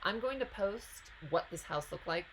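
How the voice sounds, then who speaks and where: A woman's voice: mid-range voice, expressive, normal speed, a bit bright, a little hiss or hum, rough recording. A woman hosting a live stream, reading out viewer questions and answering them in a chatty, casual way.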